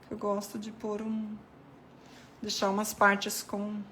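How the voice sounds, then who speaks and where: A woman's voice: medium pitch, monotone, slow, fairly bright tone, a little hiss or hum. A woman giving a casual, chatty watercolor painting tutorial, talking viewers through each step as she paints. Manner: chatty, addresses viewers as "gente", points things out while painting. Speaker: art devotional host.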